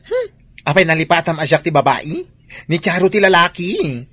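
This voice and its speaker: A woman's voice: on the low side, wildly swooping pitch, moderate pace, a bit bright, dry recording, full character voice. A woman playing a dramatic, effeminate gay man who pleads and whines in a theatrical radio drama style. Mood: pouting.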